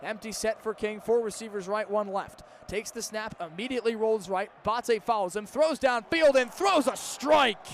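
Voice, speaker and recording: A man in his twenties with an American accent calling live football on radio as play-by-play announcer, in crisp, detail-packed phrases. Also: high voice, normal speed, few pauses, fairly bright tone, slight background noise. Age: 20s.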